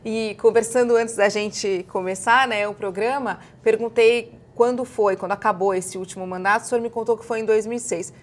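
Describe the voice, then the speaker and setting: A woman hosting a talk program, with a somewhat high voice. She talks in a chatty, playful way and nudges her guest along with short questions. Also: fairly even intonation, fairly quick, few pauses. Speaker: host. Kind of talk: program intro and interviewing.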